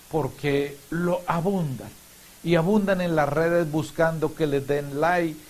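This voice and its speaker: A man in his fifties, a Catholic priest, preaching and praying at Mass in a solemn, measured way with deliberate pauses. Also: a little high, darkish tone, low-quality recording. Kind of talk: homily and prayers at Mass. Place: small indoor chapel room. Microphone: lapel mic. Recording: clear background hiss.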